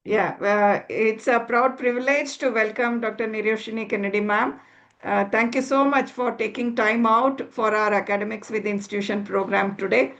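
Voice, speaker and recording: A woman's voice: a little high, fairly even intonation, moderate pace, a bit bright, dull audio. A woman who hosts the session and introduces the speaker in a polite, formal, deferential way. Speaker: host.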